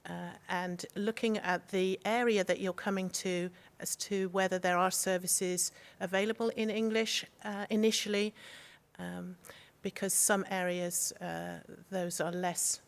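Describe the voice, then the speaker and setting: A woman speaking as a special needs education expert on a panel, explaining options in a measured, steady way. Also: medium pitch, vocal fry. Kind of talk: informative panel answers.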